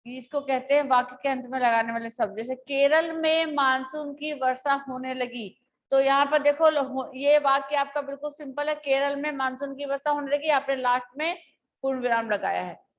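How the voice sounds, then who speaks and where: Woman teacher, high voice, patient, explains step by step, video call. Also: steady tone, muffled recording. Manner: patient, explains slowly with examples. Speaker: school teacher. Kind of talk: online class lecture.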